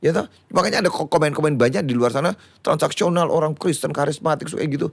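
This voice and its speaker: Casting: male pastor, quick and animated, dry close sound. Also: a little high, vocal fry, breathy edge, no room sound. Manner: animated, acts out quoted voices, repeats words when excited. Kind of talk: conversational teaching on a church talk show.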